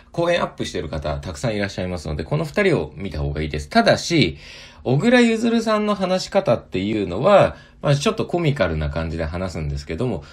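A man at a fairly quick pace, on a very clean recording with a silent background. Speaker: online seller instructor. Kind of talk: casual solo audio diary talk. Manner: explanatory, conversational.

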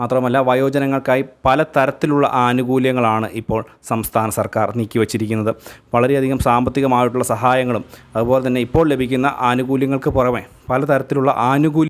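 The delivery is a flat monotone at very even loudness. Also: man, medium pitch for a man. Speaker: YouTube news vlogger. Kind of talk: news explainer monologue.

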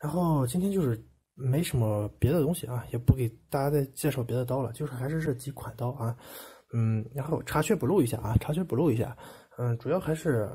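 Very clean with a silent background, the recording carries a man's medium-pitched, somewhat breathy voice with a dark, mellow tone at a fairly quick pace. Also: ordinary pitch variation. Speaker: knife review vlogger. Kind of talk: casual monologue video. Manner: rambling, repeats phrases.

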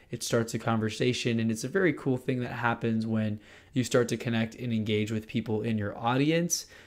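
Recorded very cleanly against a silent background, a man speaks at medium pitch with fairly even intonation. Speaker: podcast host. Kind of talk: solo monologue. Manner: used to be monotone, now fairly eloquent.

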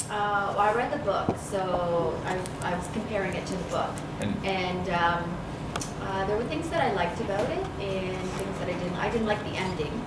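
Audible room echo and loud background noise. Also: moderate pace. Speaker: real estate agent. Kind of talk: casual chat. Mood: casual opinion on film. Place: studio.

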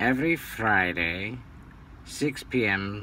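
Over light background noise, a man delivers his words at a very slow pace in a dramatic tone with lively intonation. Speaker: video creator and voiceover hobbyist. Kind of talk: ghost story telling; casual vlog chat. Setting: home makeshift voiceover booth. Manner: eerie, hammy, theatrically creepy; deep, slow, dramatic, spooky delivery. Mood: self-deprecating, joking. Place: home room. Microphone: webcam.

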